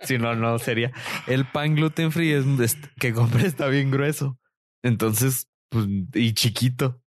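A man's voice: mid-range voice, measured pace. A man with a Mexican accent, co-hosting a podcast in a casual chat among friends, joking and laughing often. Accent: Mexican Spanish. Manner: jokey, laughs often, playful. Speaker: podcast co-host.

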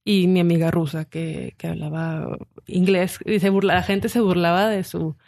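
A woman's voice: lowish voice, fairly even intonation, normal speed, vocal fry, darkish tone, dry recording, studio quality. A woman chatting casually as a podcast co-host, telling personal stories. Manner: conversational, tells personal anecdotes. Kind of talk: casual chat.

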